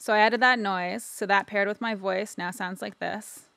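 A woman narrating a casual, informal software tutorial, explaining step by step and checking in as she goes. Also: medium pitch, steady tone, normal speed, gravelly, a little hiss or hum. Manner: informal, explanatory, frequent "right?" tags. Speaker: audio editing instructor.

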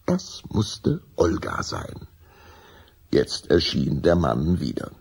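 A man narrating a children's radio play as a suspenseful, deliberate storyteller. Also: rumbling low, huge pitch swings, gravelly, a little mellow, husky.

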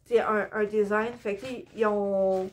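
In a casual home vlog about her books, a young woman from Quebec speaks with a Québécois French accent at a slightly slow pace. Her pitch is medium and her intonation fairly even. She sounds hesitant and a bit tired, using many fillers, and she's recording in an indoor room with bookshelves.

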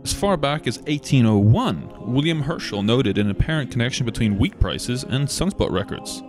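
A man reading a scripted documentary narration in a measured, argumentative way, posing rhetorical questions. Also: medium pitch, lively intonation, over music.

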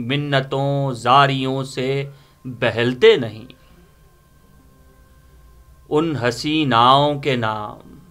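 A middle-aged man giving a dramatic poetry reading in a theatrical, solemn and deliberate manner. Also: a little high, bright, forceful tone. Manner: theatrical, solemn, deliberate phrasing with repeated lines. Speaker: poetry reciter. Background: background music.

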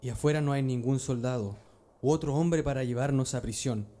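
A man's voice: mid-range voice, a little fast, mellow, lightly acted. A man playing an earnest, persuasive early Christian disciple in an amateur religious radio drama. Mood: pleading.

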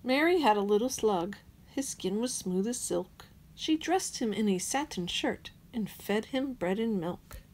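A woman teacher reading a children's picture book aloud, slowly and clearly, with sing-song rhymes. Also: fairly high pitch, animated, darkish tone.

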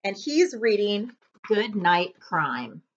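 Female children's librarian, thirties, animated read-aloud with very varied pitch, slightly dull webcam sound. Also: slow pace. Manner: expressive, dramatic storytelling. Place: living room, on a couch.

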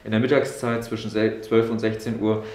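Junger Mann, tiefe Stimme, halliger Raum. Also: male voice, on the low side, flat delivery, brisk, darkish tone, roomy sound. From Berlin, Germany. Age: 20s. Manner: thoughtful, many fillers and restarts. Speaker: medical student. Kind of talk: interview answers. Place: room in a doctor's practice.

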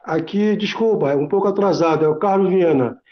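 A man's voice: sits high, muffled recording. An older Brazilian man, a student on a video call, reading simple English sentences aloud with care. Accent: Brazilian Portuguese. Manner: slow, careful.

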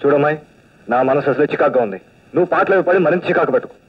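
A huffy young village man who argues back fast in a husky, raised voice. He is defiant and easily irritated. The sound is dull and lo-fi. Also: a little high. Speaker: young man, brother of the aunt.

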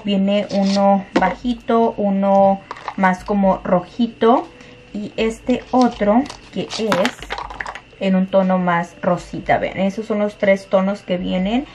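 A woman's voice: medium pitch, a little mellow, slight background noise. A woman giving a step-by-step makeup tutorial, gushing over each color and calling her viewers "chicas". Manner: gushing, repeats "súper bonito", addresses viewers as "chicas". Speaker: makeup vlogger.

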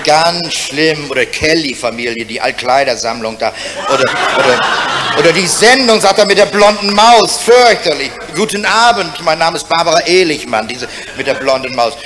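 A man's voice: on the high side, lively intonation, a crowd in the background, background noise. A man telling one joke after another as a stand-up comedian, tagging lines with "du" and "hä?". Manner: fast joke after joke, punctuated with "du" and "hä?".

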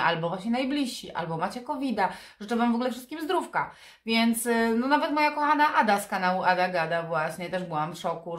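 A woman's voice: medium pitch, roomy sound. A woman in her thirties with a nasal, stuffed-up voice from a blocked nose and sore throat, chatting candidly to camera in a casual vlog. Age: 30s. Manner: candid, confiding. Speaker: vlogger. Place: furnished room indoors. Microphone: camera propped in front of her.

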